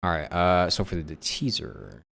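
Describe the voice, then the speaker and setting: A male streamer chats casually while reacting live, in a fairly low voice. He rambles and restarts his sentences often, leaning on fillers as he thinks out loud. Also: big pitch swings, normal speed, gravelly.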